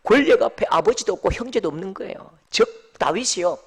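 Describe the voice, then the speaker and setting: A pastor preaches a sermon. He tells it like a story and acts out the dialect quotes. His voice sits high and moves up and down a lot. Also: brisk, slightly rough. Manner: storytelling with mimicked dialect quotes, lively and animated.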